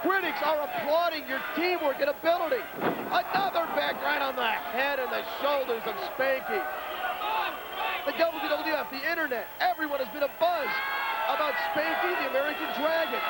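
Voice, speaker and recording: High-voiced man calling wrestling on worn tape. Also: heavy background noise. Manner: excitable, calls the action fast and often shouts over it. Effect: worn VHS tape copy. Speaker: wrestling commentator. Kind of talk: play-by-play commentary. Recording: worn VHS tape, loud arena crowd. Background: loud cheering wrestling crowd.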